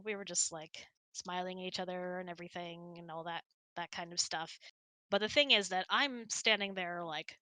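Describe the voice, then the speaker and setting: A woman's voice: medium pitch, bright, forceful tone, no echo. A woman hosting a casual hangout, telling stories and answering questions in a chatty, rambling, giggly way. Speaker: host of an online hangout.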